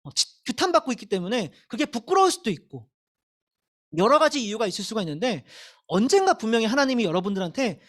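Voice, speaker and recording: Young woman youth preacher, candid storytelling, high and very animated delivery. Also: fast. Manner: candid, animated storytelling with self-deprecating laughs. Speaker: youth pastor. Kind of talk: sermon to middle schoolers. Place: church service.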